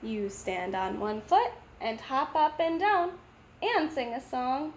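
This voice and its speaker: Helpful friend piling on advice, lively high voice, read by a woman. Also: takes it slowly, slight background noise. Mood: advising.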